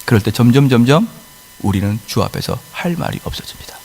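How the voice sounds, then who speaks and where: A man's voice: medium pitch, expressive, fairly quick, darkish tone, in a large hall, slight background noise. A male pastor preaching a sermon emphatically, with rhetorical questions and acted-out quotes. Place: church sanctuary.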